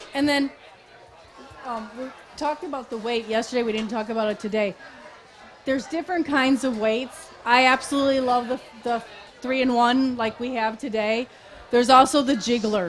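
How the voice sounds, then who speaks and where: Amid crowd noise, a woman with an American accent talks in a high voice with ordinary pitch variation and long, frequent pauses. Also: moderate pace. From US South. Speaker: canning instructor. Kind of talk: live demonstration.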